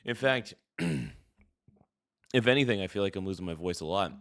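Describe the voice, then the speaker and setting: A man's voice: deep voice, animated, measured pace, fairly bright tone. A man hosting a live stream, chatting casually with viewers while he plays a game, in a laid-back way. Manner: laid-back, peppers talk with "dude" and "brother". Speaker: livestream host. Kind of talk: casual livestream chat while gaming.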